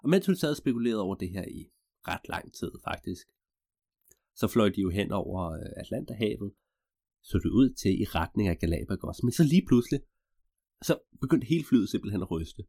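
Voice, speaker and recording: A man telling an improvised story in a rambling, digressive way with deadpan asides. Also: lowish voice, vocal fry, dry recording, clean studio sound.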